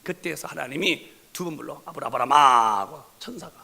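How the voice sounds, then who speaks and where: A male pastor preaching a sermon, telling a story with lively acted-out dialogue and shouted lines for emphasis. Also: a little high, brisk, gravelly, big-room sound.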